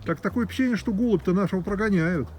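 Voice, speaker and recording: A man's voice: high voice, very fast, darkish tone, faint music behind. A man giving casual live commentary on what he watches, wondering and exclaiming aloud in a conversational way.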